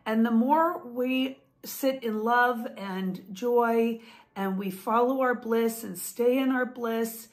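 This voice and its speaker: Chatty, animated woman vlogging at home. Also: a little high, slow pace. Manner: chatty, enthusiastic, talks with her hands. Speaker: vlogger and author. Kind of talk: casual talking-head vlog. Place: home room, indoors. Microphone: phone or webcam close up.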